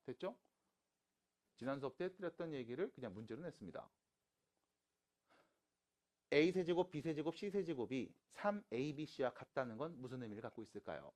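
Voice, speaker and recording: A man teaching math to high school students in a classroom, casual and teasing, switching between polite and plain speech. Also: darkish tone. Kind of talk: classroom lecture.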